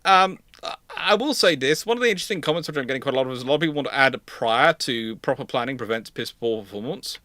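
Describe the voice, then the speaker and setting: Speaking quickly in a medium-pitched, animated voice, the naval history stream host and consultant fields questions live. He hesitates, repeats himself and restates points with emphasis, his tone bright and forceful in a studio-quality recording with no echo.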